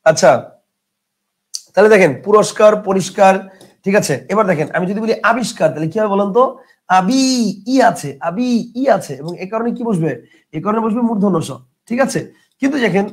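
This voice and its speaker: A young man teaching an online grammar lesson, repeating words slowly and answering his own questions. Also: sits high.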